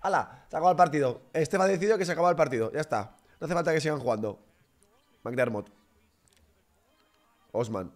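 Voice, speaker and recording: A young man giving excitable live reaction commentary on a basketball game, bursting into shouts. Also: on the high side, brisk, pauses often.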